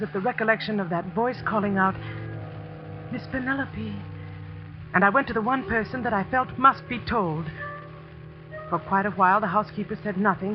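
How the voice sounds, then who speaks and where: An earnest young teacher, played by a woman who narrates a tense story in a 1940s radio drama. Her voice is anxious and sincere, with a middle pitch. The muffled old broadcast has music playing clearly beneath it. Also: close to an everyday voice.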